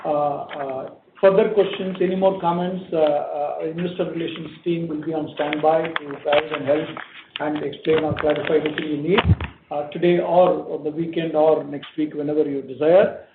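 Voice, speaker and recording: This man has a notably high voice and an Indian accent, speaking as an executive who restarts and repeats his phrases. The sound is echoey and phone-like, with faint noise behind him. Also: level tone, creaky. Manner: halting, repeats words and phrases. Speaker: bank executive. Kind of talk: earnings call commentary. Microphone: conference call line.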